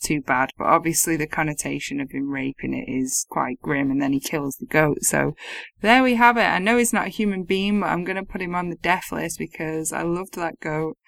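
A woman's voice: sits low, brisk, creaky, a bit bright, no echo. A woman co-hosting a casual film review chat, laughing often, swearing freely and sounding incredulous. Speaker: podcast co-host.

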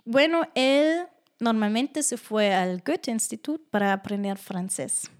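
A young woman from Germany with a German accent, speaking Spanish as a second language, telling stories from her life in a casual interview and acting out the people she quotes. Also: takes it slowly. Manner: animated, acts out quoted voices with high pitch jumps. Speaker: guest.

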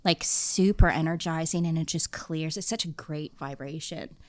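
Woman, sweet animated-princess voice, blunt and sweary podcast guest in casual chat, dry close sound. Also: deep voice, moderate pace, no echo.

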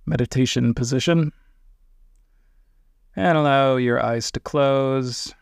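A man guiding a meditation in a calm, measured manner, speaking in short, sparse phrases with long pauses, close to the microphone. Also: medium pitch, vocal fry, smooth, dry recording. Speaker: meditation guide. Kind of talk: guided meditation.

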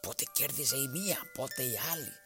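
Guy doing a creaky gossipy storyteller, music in the back. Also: mid-range voice, expressive, close to an everyday voice. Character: gossipy man recounting witch rivalry.

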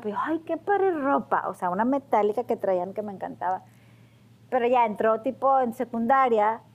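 Lively Mexican woman telling her story. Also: mid-range voice. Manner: lively, acts out quotes in a raised voice. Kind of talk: casual personal storytelling to camera.

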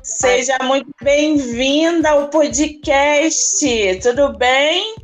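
A woman with a Brazilian Portuguese accent hosting a podcast interview, effusive and drawn-out in her speech. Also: high-pitched, soft background music. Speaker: podcast host.

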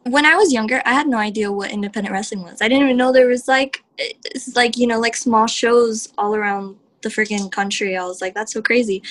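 Young woman from Texas, wrestler guest, chatty and laughing, voice a bit high, lots of "like". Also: fairly bright tone, poor audio. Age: young adult. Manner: chatty, heavy use of "like", laughs often. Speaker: professional wrestler, interview guest. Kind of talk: casual interview answers.

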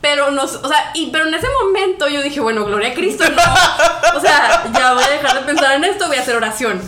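A woman, co-hosting a podcast in casual chat, telling stories with animated voice mimicry and frequent laughter. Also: high voice, quick pace, echoey room, over music. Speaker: podcast co-host.

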